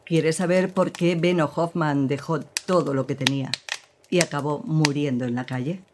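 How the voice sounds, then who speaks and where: A woman playing a guarded female opera singer, widow of a fallen man, who speaks in a cool, measured, evasive way in a radio drama. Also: low voice, steady tone, noisy background, lightly acted.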